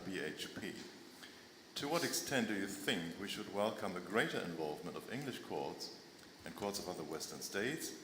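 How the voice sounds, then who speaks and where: A man relaying an online audience question to a panel in a brisk, businesslike way. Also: deep voice. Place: conference hall. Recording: echoey hall with audible room noise.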